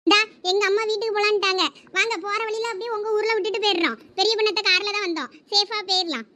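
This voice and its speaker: A woman doing squeaky quarrelsome village women. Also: quick pace, pushed and bright. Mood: annoyed. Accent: Thoothukudi Tamil. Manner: quarrelsome, complaining. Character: bickering young village women and wives. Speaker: cartoon voice actor. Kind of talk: comic cartoon family drama.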